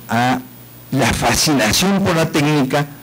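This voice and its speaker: Over noticeable background noise, a man with a fairly high pitch speaks very slowly with lively intonation. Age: 70s. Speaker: physician and professor. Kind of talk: panel discussion.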